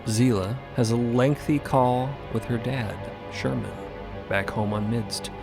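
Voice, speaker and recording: Creaky-voiced man narrating over music. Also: mid-range voice, a little slow. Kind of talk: scripted dramatic narration.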